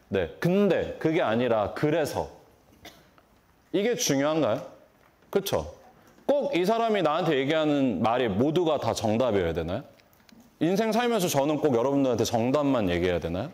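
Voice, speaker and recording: Animated male speaker lecturing a crowd. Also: normal speed. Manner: asks the audience rhetorical questions and answers them; lively, swooping delivery with sudden pitch jumps. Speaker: hairdressing instructor and brand owner. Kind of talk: motivational conference lecture. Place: large conference stage before an audience.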